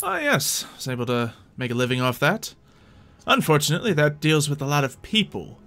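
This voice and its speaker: A man's voice: on the high side, big pitch swings, brisk, a bit bright. A man voicing a blunt, reclusive woman witch in a tabletop game, terse and dismissive. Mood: dry disdain.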